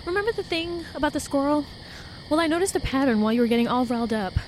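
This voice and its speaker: High-pitched wary young woman, outspoken, slangy, blunt, audio drama dialogue, faint crickets. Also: animated, fast, darkish tone, slight background noise, rough recording. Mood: keyed up. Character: wary, sharp-eyed, outspoken young woman lost in woods. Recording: faint outdoor night ambience with crickets.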